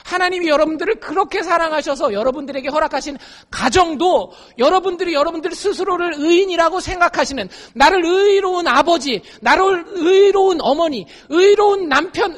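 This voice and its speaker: A woman's voice: extremely high pitch, fairly quick, hardly any pauses. A woman pastor giving a sermon, speaking straight to her congregation and acting out the quoted lines with strong feeling. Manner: expressive preaching, addresses congregation directly, acts out quoted lines. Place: church sanctuary. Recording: long echo of a church hall.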